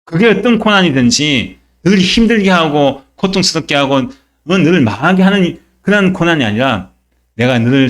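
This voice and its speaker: A male pastor voicing God speaking tenderly and reassuringly to a believer, inside a sermon. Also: fairly high pitch.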